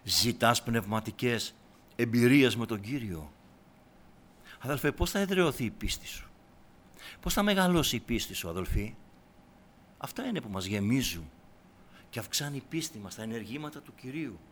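A man preaching a sermon to a congregation, exhorting them and repeating his calls, swinging from soft, low asides to loud, fervent cries. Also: expressive, long pauses.

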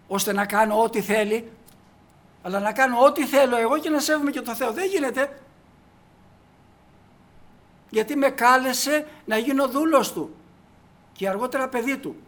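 A man preaching a sermon to his congregation, emphatic, swinging from quiet asides to loud declarations. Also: extremely high pitch. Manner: addresses the congregation as brothers.

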